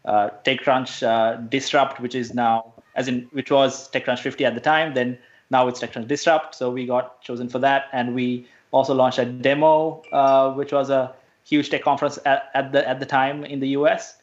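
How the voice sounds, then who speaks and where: A man's voice: medium pitch, flat delivery, normal speed, highs cut off. A man from Sri Lanka, a guest on a radio interview, speaking hesitantly with many fillers and restarts.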